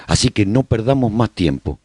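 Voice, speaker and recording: A man's voice: fairly low pitch, animated, normal speed, darkish tone, slightly rough, no echo, voice pushed up. A man playing a survivor who hosts a radio broadcast, narrating a post-apocalyptic chronicle as a scripted radio serial. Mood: welcoming, urgent.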